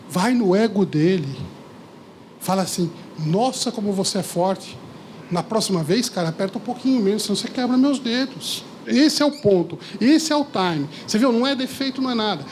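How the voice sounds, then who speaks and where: High-voiced man lecturing a crowd. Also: darkish tone, a little hiss or hum. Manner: chatty, keeps asking the audience questions. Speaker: speaker at a seminar. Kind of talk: lively talk to a live audience. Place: lecture hall with audience.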